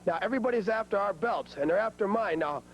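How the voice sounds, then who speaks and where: A man's voice: high voice, animated, fast talker, poor audio. A man giving a boastful wrestling promo as a champion, cocky and emphatic, on an old TV tape. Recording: old TV tape, faint hum.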